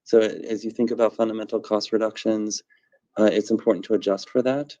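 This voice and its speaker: A man speaking as a company executive, giving measured, explanatory answers on an earnings call over muffled conference audio. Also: fairly low pitch, level tone, warm tone.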